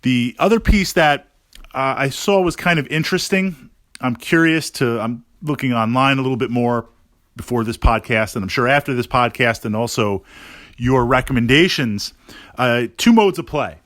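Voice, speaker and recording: A man giving a casual podcast monologue as a gaming host, thinking aloud haltingly and repeating words for emphasis. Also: medium pitch, fairly bright tone, dry recording, studio quality.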